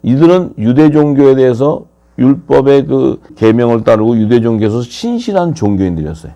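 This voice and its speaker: A man preaching a sermon, lively and questioning his listeners, his pitch swinging up and down. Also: brisk, lo-fi sound. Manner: animated, asks the audience questions, pitch swings widely.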